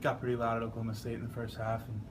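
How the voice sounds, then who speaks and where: Young football guy talking to reporters, quick and even toned, earnest, noisy room tone behind him. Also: mid-range voice. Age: young adult. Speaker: football offensive lineman being interviewed. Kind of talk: press scrum interview answers. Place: media scrum with ambient noise. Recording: clearly noisy ambient background.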